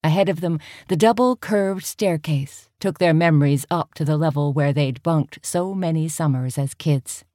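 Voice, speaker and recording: A woman with a low, gentle voice narrates a novel in an even, unhurried manner. The sound is dry and close, with no room around her. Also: dry recording. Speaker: audiobook narrator. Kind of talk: scripted narration.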